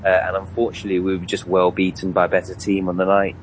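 Man, former player turned pundit, deep voice, slight background hiss. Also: completely flat delivery, poor audio. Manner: measured analysis with frequent fillers and restarts.

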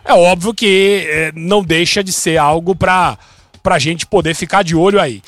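A man hosts a football talk show. His voice is high, and he talks in a chatty, animated way, often restarting his sentences. The sound is dry and close. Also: moderate pace, no echo. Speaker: sports show host. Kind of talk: sports talk show discussion.

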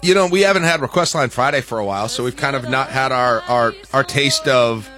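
An American man hosting a morning radio show with casual, joking banter and halting self-corrections, close on a studio microphone. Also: medium pitch, pushed and bright, faint music behind.

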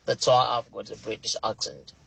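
A man's voice: medium pitch, level tone, moderate pace, creaky, fairly bright tone, slight background noise, rough recording. A man from Malawi, an Uber driver, calling a radio show in earnest. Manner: earnest, repeats himself. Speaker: caller. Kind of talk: phone-in comment.

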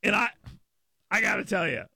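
A man's voice: high voice, sing-song, moderate pace, gravelly, pushed and bright, no room sound. A man hosting a talk radio show with a brash, sarcastic, riffing manner. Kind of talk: talk radio monologue with live read ad.

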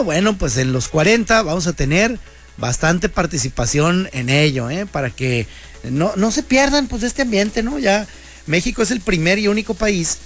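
A man's voice: fairly high pitch, fairly bright tone. A man, hosting a radio show in a joking, slangy monologue. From Mexico. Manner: joking, slangy, playful banter. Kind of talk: casual comedic radio monologue.

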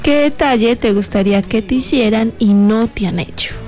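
Copresentadora colombiana, voz algo aguda, breve y amable. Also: female voice, on the high side, moderate pace, darkish tone, faint music behind. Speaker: radio co-host. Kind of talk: morning radio chat. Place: radio studio.

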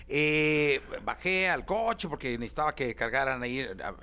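A man's voice: mid-range voice, expressive, normal speed, bright, forceful tone, clean tone. A man hosting an interview, affirming and prompting his guest. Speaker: interviewer host. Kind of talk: interview questions.

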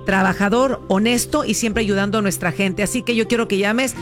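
A woman's voice: medium pitch, fairly quick, soft background music. A woman hosting a radio show, enthusiastic and upbeat. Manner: enthusiastic, warm greetings. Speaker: radio host.

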